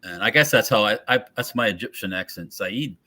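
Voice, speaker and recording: A man's voice: on the low side, expressive, brisk, sharp tone. A man chatting casually about guns, rambling and trailing off, often chuckling. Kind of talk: casual firearms chat.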